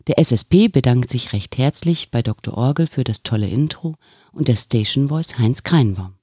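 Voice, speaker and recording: A man's voice: medium pitch, a little mellow, breathy edge, dry recording, clean studio sound. A man reading a scripted podcast outro as the show's announcer.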